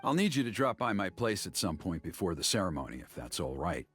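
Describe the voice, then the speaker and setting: An actor playing an earnest, dignified tribal elder in a video game, speaking in a formal, storytelling manner. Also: male voice, deep voice, over music. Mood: earnest, reassuring. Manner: formal, measured, expressive storyteller.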